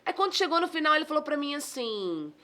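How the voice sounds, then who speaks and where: Fast, bright-voiced Brazilian woman. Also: sits high. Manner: animated storyteller, acts out dialogue, exclamatory. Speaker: podcast guest, communication trainer. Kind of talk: casual podcast conversation.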